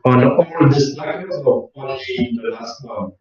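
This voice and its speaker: A man asking a question in an online workshop over a faulty laptop microphone. His voice comes through distorted and crackly, and he talks slowly and haltingly, repeating himself. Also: medium pitch, distant mic, crowd noise. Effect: distorted, crackly microphone sound. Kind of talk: casual conversation in an online workshop. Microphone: faulty laptop microphone on a video call. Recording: echoey, dull video-call audio.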